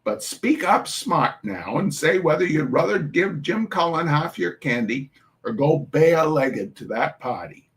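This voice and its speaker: A man's voice: fairly high pitch, sing-song. A man voicing a bustling, bossy mother of a big poor family, with an attempted urban Irish dialect. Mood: scolding. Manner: brisk, ordering people about. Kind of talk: storybook reading.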